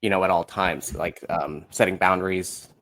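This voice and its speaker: An American man in his thirties with a fairly low voice speaks as a guest in a casual conversation. His talk is informal, working through examples and little acted-out asides. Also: fairly even intonation, moderate pace, a bit bright. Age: 30s. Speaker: podcast guest.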